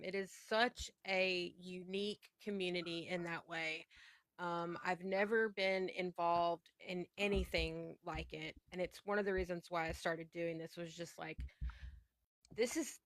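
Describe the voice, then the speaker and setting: A woman's voice: lowish voice, fairly even intonation, moderate pace, a bit bright, no echo. A woman hosting a casual interview, enthusiastic and agreeable, affirming her guest often. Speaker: interviewer, book community host.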